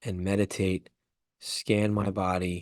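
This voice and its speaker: On a very clean recording with a silent background, a man's fairly low voice comes through dry and close with no echo. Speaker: podcast host and Reiki teacher. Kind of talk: casual monologue. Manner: halting, self-correcting.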